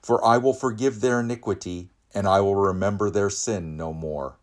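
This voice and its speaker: A man reading scripture aloud as a church reader, in a measured, declamatory way. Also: lowish voice.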